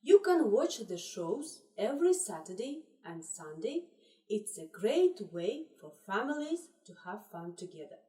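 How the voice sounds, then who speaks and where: A woman teaching a children's English lesson, slowly repeating each word in three languages. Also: medium pitch, big pitch swings, dark tone. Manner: slow, deliberate, repeats words in three languages. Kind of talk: trilingual video lesson for children. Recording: echoey room, voice distant from mic.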